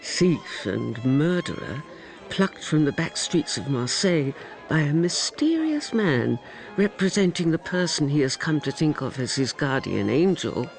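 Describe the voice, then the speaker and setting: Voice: mid-range voice, big pitch swings, unhurried, creaky, faint music behind, poor audio. An actor as a wry, insinuating omniscient narrator in a radio drama. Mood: sly.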